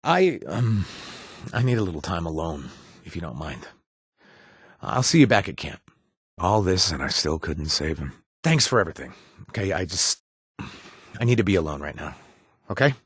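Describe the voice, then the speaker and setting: A husky, wry ex-raider bartender. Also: male voice, deep voice, very animated, normal speed, long pauses, no echo, clean studio sound, heavily acted. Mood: somber. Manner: sardonic, joking, then earnest and grateful. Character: gruff washed-up male ex-raider bartender, wry. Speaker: game companion character. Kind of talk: video game voice lines.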